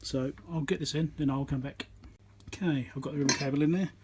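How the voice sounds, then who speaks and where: A man giving casual hands-on commentary as he works, halting and half talking to himself while he concentrates, recorded on a phone at an indoor workbench. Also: on the high side, steady tone. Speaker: electronics repairer, channel host. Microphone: phone on a tripod above the work. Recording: noisy room recording on a phone.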